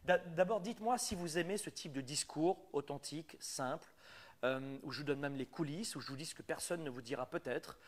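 A middle-aged man with a French accent coaches would-be entrepreneurs live. He talks emphatically and keeps repeating his key points. His voice sits a touch higher than most men's. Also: a little fast. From France. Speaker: business coach. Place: Quebec.

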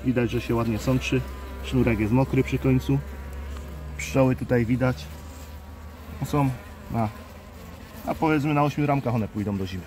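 An unhurried beekeeper and channel host talks over buzzing hives outdoors in a casual hands-on explainer vlog, thinking aloud with fillers. His mid-range voice is mellow, and the handheld phone camera picks up slight background noise, faint outdoor ambience and bees.

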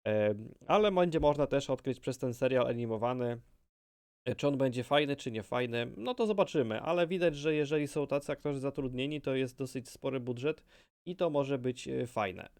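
A man's voice: medium pitch, normal speed, darkish tone, smooth, no echo. Man, dry casual gaming commentary. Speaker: gaming video creator.

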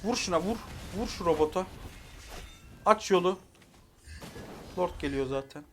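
A man giving live commentary over a mobile game, exasperated and barking rapid repeated commands, then calmly talking to viewers at the end. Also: high-pitched, slight background noise. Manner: calm wrap-up talk to viewers at the end.

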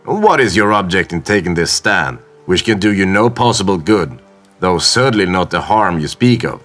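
A man voicing a stern, calculating ship's captain who speaks in a controlled, measured, authoritative way, in a storybook reading. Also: low voice, animated, fairly bright tone, faint music behind.

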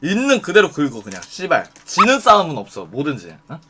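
A bright, high-pitched man talks casually on a live stream and gives blunt advice. He swears freely and keeps acting out the lines he suggests, so his pitch jumps around all the time. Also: wildly swooping pitch, brisk, a little hiss or hum.

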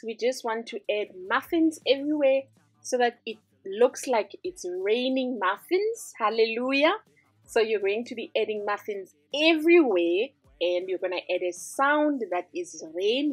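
Breathy upbeat woman teaching a tutorial. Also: a little high, dry recording. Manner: upbeat, step-by-step instructing. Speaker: tutorial host. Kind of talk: screen-recorded design tutorial.

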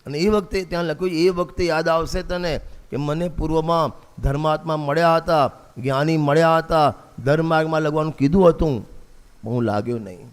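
Male preacher, sermon delivery, rhetorical and repetitive, slightly high voice, long hall reverb. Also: fairly even intonation, brisk, clear, resonant tone. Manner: repeats a refrain, poses rhetorical questions to listeners.

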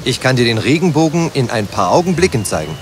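A man's voice: medium pitch, very animated, fast, noisy background, natural voice. A man voicing a confident, cunning young tailor hero in a children's fairy tale, boastful and self-assured. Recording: music behind the voice.

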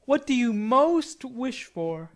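Woman as a fairly high-voiced, teasing teenage boy. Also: big pitch swings, takes it slowly. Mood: playful. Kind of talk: audiobook character dialogue.

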